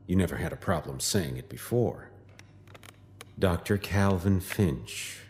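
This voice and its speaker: A very deep male villain in an audio drama. He is a smug doctor who taunts unhurriedly, with an intonation that swings widely from line to line. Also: animated, a little slow, darkish tone, slight background noise. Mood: mocking. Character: smug, menacing male doctor taunting his captive wife.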